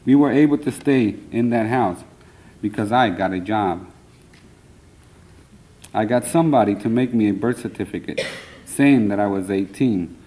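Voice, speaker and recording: A man from Puerto Rico in his thirties reads his poems aloud at a conference. His voice sits on the low side and sounds mellow. He reads in an earnest, measured way with short pauses, a little nervous. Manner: earnest, plain, measured delivery with short line breaks. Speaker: poet reading his work. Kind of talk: live poetry reading. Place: conference hall.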